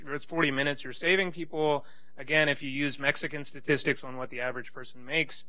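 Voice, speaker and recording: A man's voice: mid-range voice, bright, forceful tone, no echo, rough recording. A man speaking as a panelist, giving conversational remarks and often restarting his phrases.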